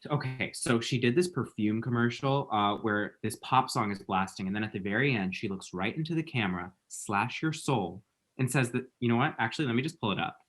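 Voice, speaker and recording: A man's voice: mid-range voice, brisk, a bit bright, close to an everyday voice. A man acting a flamboyant, chatty young gay man with a theatrical, sassy delivery in a comedy table read. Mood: sassy, playful.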